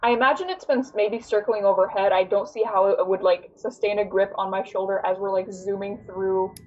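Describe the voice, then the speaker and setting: A woman's voice: medium pitch, fairly even intonation, a little fast, a little mellow, highs cut off. A woman playing a tabletop game, speaking in casual, conversational phrases.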